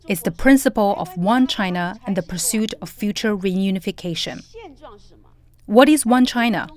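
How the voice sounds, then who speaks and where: Steady woman voicing an English translation. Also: mid-range voice. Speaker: interpreter voice-over.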